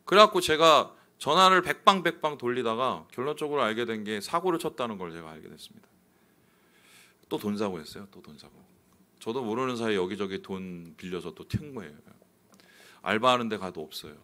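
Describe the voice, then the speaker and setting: A male pastor preaching a sermon, telling a personal story candidly and swinging suddenly between loud and quiet. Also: lowish voice, lively intonation, a little fast.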